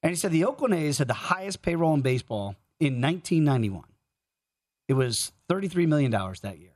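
A man's voice: fairly high pitch, very animated, quick pace, darkish tone, no echo, studio quality. A man hosting a live sports betting talk show.

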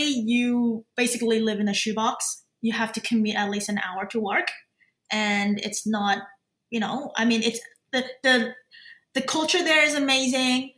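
A woman's voice: a little high, fairly bright tone. Chatty woman who grew up in australia, on a podcast, echoey room. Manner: chatty, laughs easily. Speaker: guest, cooking YouTuber. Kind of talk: casual podcast chat.

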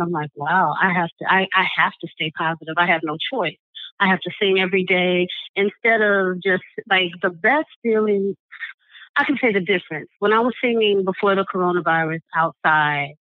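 A woman from Michigan who works as a street jazz singer speaks over a phone line. The sound is thin and tinny, with no room around it. She talks in a reflective way, with soft laughs and plenty of ums. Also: on the low side, no room sound. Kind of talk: phone interview.

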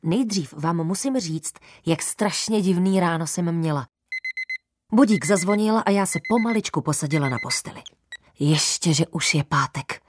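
In a lowish voice, a woman narrates a children's story in the first person as a girl. Her telling is lively and playful, sprinkled with whispered asides.

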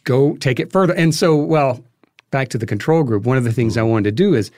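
A man being interviewed as a guest, explaining history in a conversational, halting way as he thinks aloud. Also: medium pitch, darkish tone, no room sound, studio quality. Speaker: interview guest, filmmaker and podcast creator.

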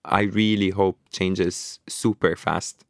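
A man with a very low voice talks through his stories in a relaxed, rambling way, stopping and restarting often. The recording is dry and close, with no room sound. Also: slow, gravelly, dry recording. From Lebanon. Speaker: author guest. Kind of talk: casual interview conversation.

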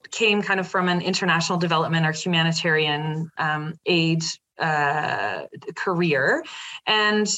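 A woman in her thirties from the Netherlands, a guest speaking in a relaxed interview, thoughtful and halting with many fillers and restarts. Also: lowish voice. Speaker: guest from a women's center. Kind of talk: casual interview talk.

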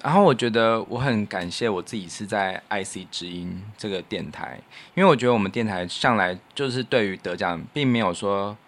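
A man's voice: on the low side, brisk, few pauses. A man with a Taiwanese Mandarin accent, co-hosting a podcast in a casual, reflective chat. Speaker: podcast co-host and radio producer.

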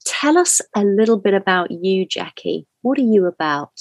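A woman's voice: medium pitch, lively intonation, normal speed, gravelly, no echo, lo-fi sound. Effusive woman podcast host, dry sound. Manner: effusive, encouraging. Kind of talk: podcast interview.

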